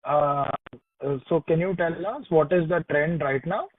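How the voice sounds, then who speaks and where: Higher-voiced Indian man on a phone line. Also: measured pace, dry recording. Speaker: investment analyst asking questions. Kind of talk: earnings call questioning. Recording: dry, thin phone line.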